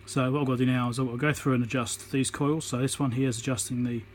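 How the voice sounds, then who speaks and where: With little pitch movement and a fast pace, a man's mid-range voice carries a hands-on repair tutorial that's informal and matter-of-fact. He's an electronics repairer thinking aloud while demonstrating, recorded on a tripod-mounted phone with a little hiss or hum.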